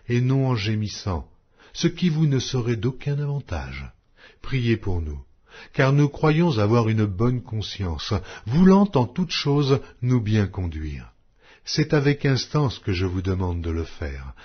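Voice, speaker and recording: A man narrating scripture in a solemn, scripted and measured declamatory reading style. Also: medium pitch, husky. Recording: dull lo-fi recording.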